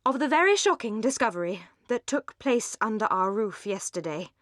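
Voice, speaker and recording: Woman voicing a pompous, solemn English gentleman. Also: mid-range voice, very animated, normal speed, dry recording, studio quality. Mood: solemn, aggrieved. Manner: pompous, solemn, long-winded. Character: pompous, solemn, self-satisfied gentleman brother. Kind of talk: audiobook character dialogue.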